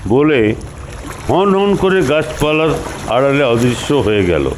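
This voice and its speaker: A man's voice: medium pitch, sing-song, takes it slowly, slight background noise. A man narrating a story expressively as the storyteller.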